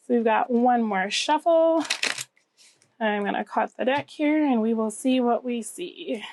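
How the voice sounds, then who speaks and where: A woman's voice: on the high side, unhurried, a little mellow. A woman with a cold giving a casual tarot reading, slightly scratchy and nasal, conversational and often checking in with the listener. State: getting over a cold. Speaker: tarot reader, channel host.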